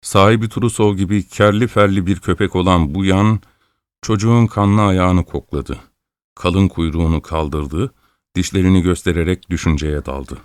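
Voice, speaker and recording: Man reading a story, kinda low voice, dry close sound, steady pace. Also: moderate pace, smooth, no echo. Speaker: narrator. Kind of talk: audiobook narration of a story.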